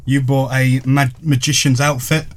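A man's voice: medium pitch, little pitch movement, normal speed, a little hiss or hum. A man in a casual chat, telling a story about his own mishaps and laughing at himself as he goes. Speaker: podcast guest.

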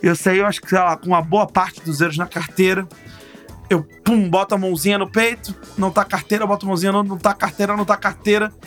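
A man telling a travel story in casual chat, swearing often and bursting into shouted voices. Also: sits high, steady tone, quick pace, soft background music.

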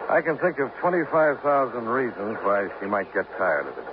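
A man's voice: mid-range voice, animated, normal speed, natural voice. A man playing a terse, dry insurance investigator who narrates and questions in 1950s radio drama style on an old recording. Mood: probing. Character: hard-boiled male insurance investigator, dry. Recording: tinny old radio transcription, faint hiss.

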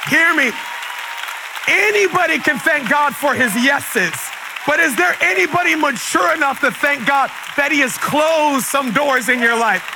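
A man raised in the Caribbean, preaching a sermon to a congregation in church, fervent, with bursts of shouting and quick stammered repeats of words. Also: very high voice, expressive, vocal fry, a crowd in the background, noisy background. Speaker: pastor. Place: church sanctuary with a live congregation.

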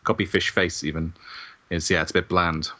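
A man's voice: low voice, level tone, moderate pace, bright, forceful tone, muffled recording. An Irish man chatting casually as a co-host on a podcast. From Ireland. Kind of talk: casual chat.

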